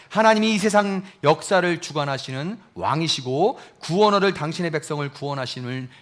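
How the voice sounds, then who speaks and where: A man's voice: high voice, a bit bright. A male pastor preaching a Sunday sermon in a church, impassioned, acting out scripture quotes in voices. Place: church service room.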